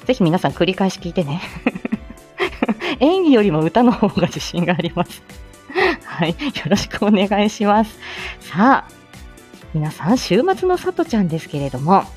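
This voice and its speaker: A woman's voice: mid-range voice, sing-song, moderate pace, long pauses, darkish tone, soft background music. A woman hosting a live stream in a casual, chatty way, often laughing between phrases. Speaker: livestream host.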